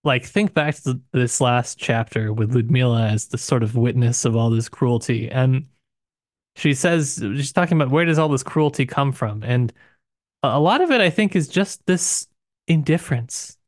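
A man's voice: mid-range voice, animated, normal speed, no echo, studio quality. A man co-hosting a literary podcast in casual discussion, thinking aloud and rephrasing as he goes. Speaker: podcast co-host.

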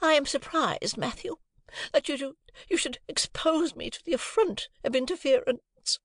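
A man reading an audiobook, voicing a haughty, imperious gentlewoman in a high, affronted tone. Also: moderate pace, dry recording, clean studio sound. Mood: indignant. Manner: shrill, indignant and affronted.

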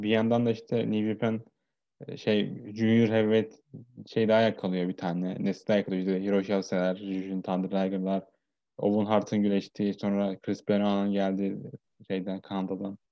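A man's voice: fairly low pitch, little pitch movement, brisk. A man co-hosting a casual discussion, heard through a dull lo-fi voice channel. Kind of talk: casual wrestling history discussion.

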